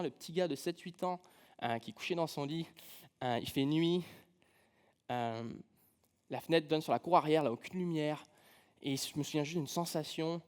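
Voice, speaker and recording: A preacher from France with a slightly high voice gives a relaxed sermon in a church. He speaks with a French accent from France, tells personal stories and adds a touch of humour. His speech is informal and full of fillers. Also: clear, resonant tone. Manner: casual, humorous, personal storytelling with many fillers. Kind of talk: conversational sermon. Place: church sanctuary.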